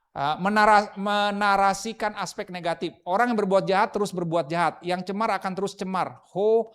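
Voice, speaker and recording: A man preaching a sermon as pastor, often asking the congregation rhetorical questions and moving between loud emphasis and quiet asides. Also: sits high.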